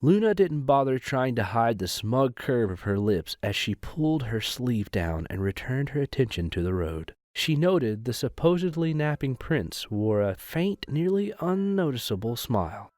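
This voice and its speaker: A man's voice: mid-range voice, very animated, normal speed, hardly any pauses, darkish tone, dry recording, studio quality. A man reading scripted narration for an audio drama. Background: music.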